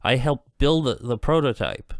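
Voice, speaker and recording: A man's voice: mid-range voice, expressive, normal speed, no room sound, studio quality, lightly acted. A man reading the lines of a grieving, angry middle-aged father in a curt, bitter way.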